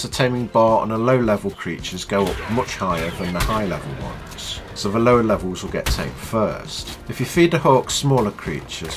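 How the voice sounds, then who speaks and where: A man with a stuffy nose from a cold, explaining a video game in a chatty, low-key tutorial. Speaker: gaming channel host.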